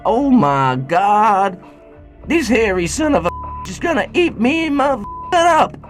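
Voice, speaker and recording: Comic fairy-tale role: frightened little piggy voiced by a man, sweary, panicky, very animated. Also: lowish voice, slow pace, faint music behind, heavily acted. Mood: terrified. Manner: panicky, exclaiming.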